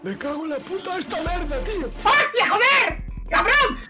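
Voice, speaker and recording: A man putting on a shrill, swearing little boy's voice while gaming. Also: big pitch swings, moderate pace. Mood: squealing angry. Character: squeaky foul-mouthed little boy. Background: game music.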